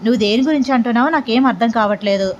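Picture a chatty young man who grumbles in a playful, whiny way, voiced by a woman narrator. The pitch sits a bit high, with a slightly dull recording and faint hiss. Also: very fast, lightly acted.

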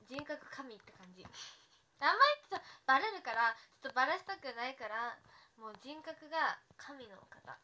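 Young woman idol, very bright and sharp, excitable livestream chatter, faint hiss behind. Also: sits high. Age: young adult. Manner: giggly, excitable, rambling with many restarts. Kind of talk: casual livestream chat.

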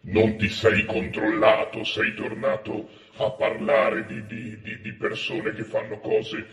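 A man voicing a smug, sly male devil who calls in from the underworld and talks calmly in a half-whisper, heard over a phone on speakerphone. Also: lowish voice, slow. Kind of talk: staged comic phone call on a web show. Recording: echoey speakerphone sound.

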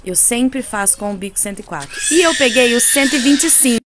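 A Brazilian woman with a fairly high voice that honks nasally from a head cold. She narrates a tutorial casually and chattily, talking straight to her viewers. The recording has clear background noise. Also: animated, a little fast. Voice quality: nasal, honking, duck-like. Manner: chatty, addresses viewers with frequent tag questions. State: congested from a cold. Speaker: cake decorating channel host. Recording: clearly noisy home recording.

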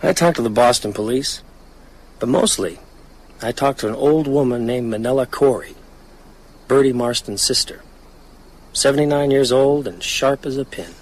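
A man's voice: medium pitch, normal speed, long pauses, natural voice, poor audio. An actor playing a haunted, reflective male novelist in a radio drama, talking hesitantly as he confides. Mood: grave, storytelling. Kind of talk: naturalistic radio drama dialogue.

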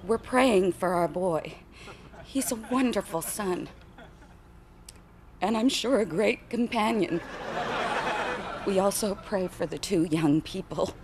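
A worried American mother in a comic news interview. She speaks slowly and haltingly, with earnest feeling, at a medium pitch. An audience is clearly heard. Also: a crowd in the background. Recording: audience laughter over interview.

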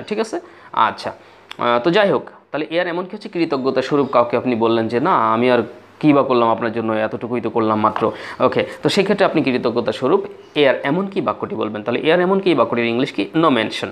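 A man with a Bangladeshi accent teaching spoken English in a classroom style. He says each phrase again and again and spells words out letter by letter. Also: mid-range voice. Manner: acts out little everyday scenes.

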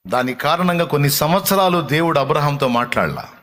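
A pastor delivers a sermon in a fairly high male voice, chatting with his listeners through a stream of rhetorical questions. He drops to quiet, low asides and then lifts into raised, pleading cries. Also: fairly quick. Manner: conversational, full of rhetorical questions; swings between soft, low asides and raised, pleading exclamations.

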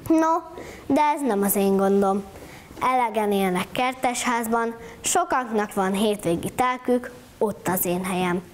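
A woman's voice: mid-range voice, a little hiss or hum, natural voice. Woman reciting as a boastful house goat. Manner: bragging, mock-indignant monologue. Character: boastful female house goat, proud and chatty.

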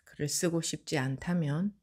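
A woman teaching as a Buddhist meditation teacher, answering a question calmly and explaining at length. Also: low-pitched, normal speed, husky. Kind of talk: dharma Q&A answer.

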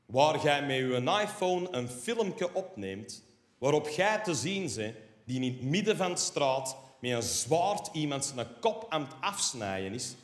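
On a live stage with roomy hall reverb, a Flemish comedian rants in an animated, sarcastic way, tacking a questioning "hè" onto his lines. His voice sits on the high side and moves a little slowly.

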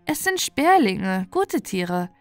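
A woman's voice: mid-range voice, very animated, takes it slowly, dry recording, soft background music. A woman voicing a vain, bossy old mother pigeon in a storybook, cooing and repeating her commands. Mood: bossy, condescending.

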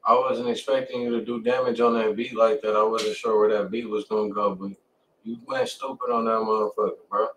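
A man's voice: lowish voice, lively intonation, brisk, a bit bright. Male reviewer, casual street slang and cursing, roomy echo, faint noise behind. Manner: slangy, profane. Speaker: music reviewer. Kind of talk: casual music feedback chat. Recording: echoey, distant mic, faint noise.

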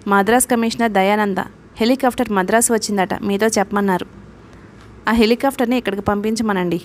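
Audiobook role: a curt, commanding middle-aged police chief, read by a woman in her own fairly high voice. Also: fairly even intonation, brisk, a little hiss or hum, lightly acted. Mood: brisk. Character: stern middle-aged male police commissioner.

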